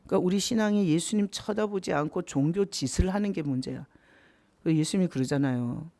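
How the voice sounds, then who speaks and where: Pastor, male, gravelly and warm; teaches Bible study informally, drawing listeners in with questions. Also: high voice, brisk. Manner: conversational, with rhetorical questions and asides.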